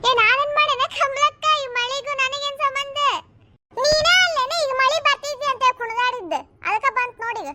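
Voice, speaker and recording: Shrill, bright cartoon village gossips with a North Karnataka accent, quick scolding banter. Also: female voice, a little hiss or hum, exaggerated voice. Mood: bickering. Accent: North Karnataka Kannada. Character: gossipy village women, bickering, adult. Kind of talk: cartoon comedy dialogue.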